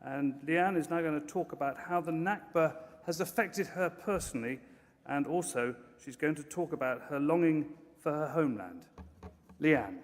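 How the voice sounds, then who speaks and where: A man's voice: on the high side, normal speed, a little hiss or hum. A man announcing as the host of a formal event. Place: large indoor event venue. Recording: echoey hall reverb.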